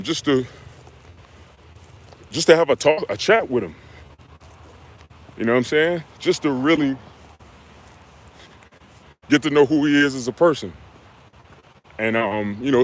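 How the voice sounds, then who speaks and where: A young man from the United States, a fitness coach answering viewers' questions on a live stream in a relaxed, slangy way. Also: mid-range voice. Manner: laid-back, slangy, talks straight to viewers with "y'all" and "man". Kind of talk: live stream Q&A, reading chat comments.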